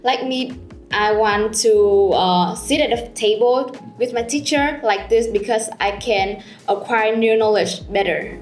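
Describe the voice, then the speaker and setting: Brief: Vietnamese-accented woman, an exam candidate, speaks fast and eagerly, echoey room with faint music under her. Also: on the high side. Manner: fast, eager, halting grammar with fillers. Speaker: IELTS test candidate.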